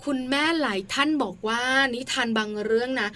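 Brief: bright high-pitched woman, playful co-host of a parenting chat show, laughs a lot. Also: a little fast. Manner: playful, laughs often, teasing. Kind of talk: casual chat.

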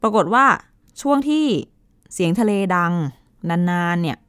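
A woman's voice: expressive, measured pace, clear, resonant tone, no echo, studio quality. Chatty woman explaining science news. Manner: chatty, explains with playful asides and pitch swoops. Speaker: co-host on foreign news radio segment. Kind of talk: conversational news storytelling.

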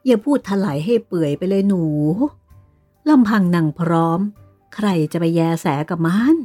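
A woman's voice: lowish voice, normal speed, mellow, soft background music, lightly acted. A woman voicing a stern, commanding aristocratic aunt who gives orders and reproaches in a dramatized novel reading. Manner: authoritative, giving orders and reproaches. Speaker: reader voicing a character.

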